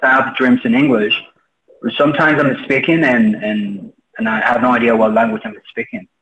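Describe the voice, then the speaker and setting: Man with a Los Angeles accent, medium pitch, ordinary pitch variation and a fairly quick pace. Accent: sounds American, like from Los Angeles. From Colombia, Medellín. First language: Spanish. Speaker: interpreter and translator. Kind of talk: video interview.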